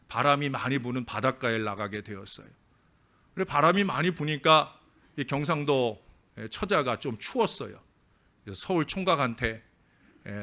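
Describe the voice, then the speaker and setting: A male pastor preaching a sermon in a church, swinging between loud emphatic lines and quiet asides, and telling anecdotes with acted-out voices. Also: medium pitch. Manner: tells jokes as anecdotes, acting out the speakers. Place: church sanctuary.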